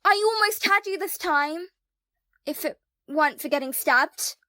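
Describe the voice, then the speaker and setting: A woman's voice: high voice, a little slow, pushed and bright, no echo, studio quality. A woman playing a proud, stubborn young twin sister in an audio drama, argumentative and defiant.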